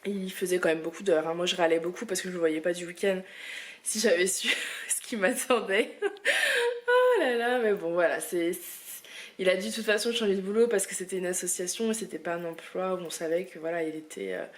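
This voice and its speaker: A woman's voice: on the low side, brisk. A young mother chatting casually to the camera at home in a family vlog, talking through her day and switching to a sing-song voice for her toddler.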